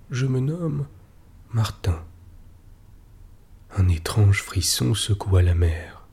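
A man reading a classic short story aloud at a measured pace, sometimes sinking almost to a whisper. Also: on the low side, vocal fry, warm tone, husky. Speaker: reader.

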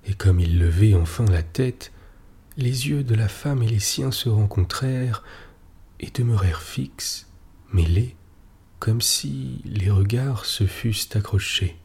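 A man narrates a classic short story in a low, dark, very husky voice. He reads slowly and carefully, letting his voice sink almost to a whisper in quiet moments. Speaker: reader.

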